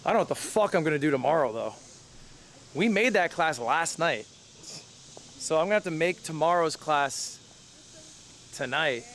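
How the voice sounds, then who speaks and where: A young male streamer chatting loosely to his audience. He jokes and swears freely, with his voice sitting a bit on the higher side. Faint noise hums behind him. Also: animated, moderate pace, pauses often, a bit bright. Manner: joking, swears freely, talks straight to chat. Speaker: streamer playing a university professor. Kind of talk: casual live-stream chat.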